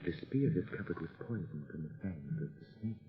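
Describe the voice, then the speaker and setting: An actor playing a timid, fawning royal servant who flatters his king, in 1930s radio-drama style. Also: low-pitched, a little fast. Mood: obsequious. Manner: fawning, hushed, obsequious. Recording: tinny old radio recording with music.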